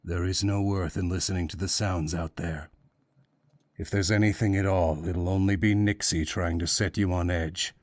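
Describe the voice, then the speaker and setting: An actor playing a stern, detached guide in a visual novel, speaking in a terse, expressionless way. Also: male voice, low voice, steady tone, moderate pace, no echo, natural voice. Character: stern, nameless male guide, detached and blunt.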